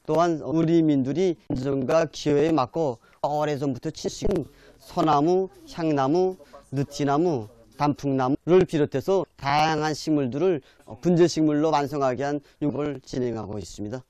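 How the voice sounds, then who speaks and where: A man's voice: a little high, moderate pace, darkish tone. A man with a North Korean accent explaining his work as a researcher in an interview. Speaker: bonsai researcher.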